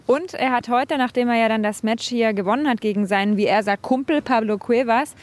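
A woman's voice: on the high side, fairly quick, no room sound. Woman reporter in casual tennis chat. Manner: lively and conversational, with fillers.

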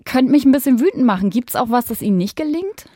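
A woman's voice: sits high, very animated, fast talker, mellow, dry recording, clean studio sound. Curious female radio interviewer. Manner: curious, direct questioning.

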